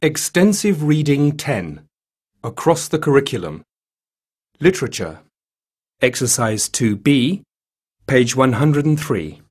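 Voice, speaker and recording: Husky male track announcer. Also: medium pitch, very animated, slow, long pauses, darkish tone. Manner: plain, matter-of-fact.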